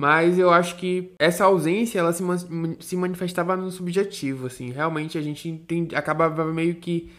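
A man speaks at a moderate pace. His pitch is high for a man. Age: 20s. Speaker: podcast co-host. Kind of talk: casual chat.

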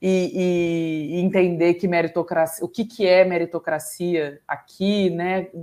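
At a very slow pace with hardly any pauses, the speech follows a fairly even intonation on a very clean recording with a silent background. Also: woman, fairly low pitch for a woman. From Brazil. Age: 40s. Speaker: podcast co-host, business partner. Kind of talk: casual chat.

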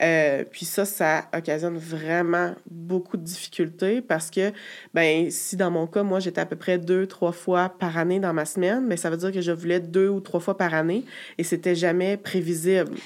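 A woman with a normal speaking voice talks at a fairly slow pace and fairly low pitch, her intonation fairly even, on a very clean recording with a silent background. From Quebec City, Quebec. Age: 30s. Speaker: guest sharing personal health experience. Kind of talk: casual interview testimony.

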